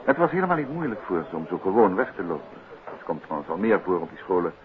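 An actor in a 1950s radio drama playing a calm, courteous amateur detective who talks in a measured, affable way. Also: male voice, low voice, phone-quality sound, crowd noise. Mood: grave, composed. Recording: old thin band-limited radio recording.

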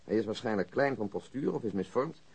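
An actor playing a methodical male police detective in a radio drama, matter-of-fact and measured, as if reciting a report. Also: lowish voice, lively intonation, gravelly, a little mellow, breathy edge, exaggerated voice. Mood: dry, factual. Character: methodical, dry police detective with an exact memory.

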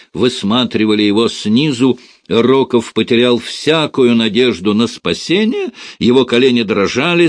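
Deep-voiced man narrating an adventure story. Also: dry recording, clean studio sound. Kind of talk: audiobook narration.

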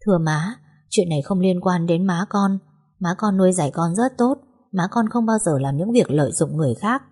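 A woman's voice: lowish voice, brisk, slightly rough. Woman voicing a meek young wife. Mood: pleading. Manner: soft, polite, pleading.

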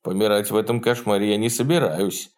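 A man's voice: on the low side, brisk, darkish tone, natural voice. Man playing a young Soviet army lieutenant, earnest, humble, feverish, audiobook reading. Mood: deferential. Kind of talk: audiobook character voice.

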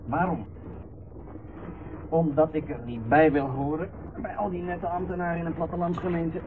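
An actor playing a breezy, sardonic young drifter and outsider in a Dutch radio drama. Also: male voice, on the high side, natural voice. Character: rebellious young drifter, cheeky, scornful outsider. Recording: noisy, phone-like old radio play recording.

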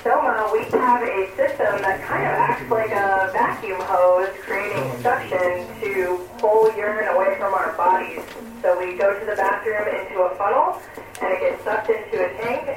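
A woman's voice: medium pitch, moderate pace. Woman astronaut over static-burst radio. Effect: ham radio link with static bursts. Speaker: astronaut answering students. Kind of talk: plain explaining for children. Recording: distant echoey radio with noise.

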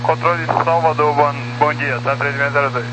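A man, an airline pilot, heard over the aviation radio, reading back clearances in clipped radio phraseology. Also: a little high, steady tone, normal speed. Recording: noisy radio channel with hum.

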